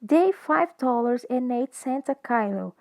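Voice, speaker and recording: A woman with a Brazilian Portuguese accent teaches English in a recorded lesson, speaking slowly and clearly while switching between English and Portuguese. Her voice is high, a little mellow, with lively intonation.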